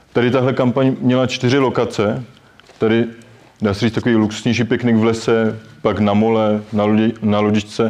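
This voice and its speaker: Here is a man with a plain, everyday voice and medium pitch at a moderate pace. His loudness is very even and his intonation fairly even. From Czech Republic, Vsetín (Moravian Wallachia). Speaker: influencer marketing specialist. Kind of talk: lecture.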